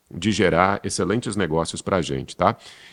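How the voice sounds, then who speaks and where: In a very clean recording with a silent background, a man speaks with a very deep, low pitch and vocal fry. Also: dry, close sound with no echo. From Brazil, interior of Rio Grande do Sul. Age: 40s. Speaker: video production business owner. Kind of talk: casual talk to camera.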